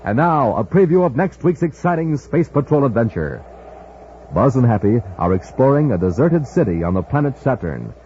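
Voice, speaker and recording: Booming old-time radio announcer, lively and upbeat, hissy muffled transcription. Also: male voice, normal speed. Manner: booming, salesy.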